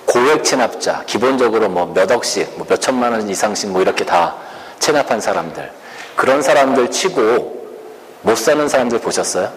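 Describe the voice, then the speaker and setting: Guy preaching in a church, slow and earnest, lots of questions to the crowd, echoey hall. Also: lowish voice, expressive. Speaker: pastor. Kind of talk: sermon. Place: church sanctuary. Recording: reverberant church hall with faint room noise.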